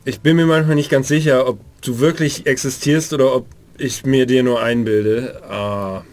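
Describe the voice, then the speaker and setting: A man playing a gruff, irritable ex-soldier convict in his forties who talks curtly and sarcastically while roleplaying. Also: medium pitch, steady tone, moderate pace, darkish tone, lightly acted. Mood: sarcastic. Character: gruff 45-year-old male ex-soldier convict. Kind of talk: in-character roleplay.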